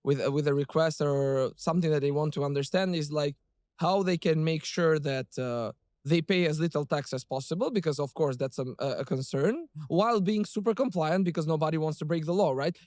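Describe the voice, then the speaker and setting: A man's voice: a little high, a little fast, a little mellow, dry recording, studio quality. A man hosting a business podcast, asking long, rambling questions and agreeing with his guest. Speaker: podcast host. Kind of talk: interview questions.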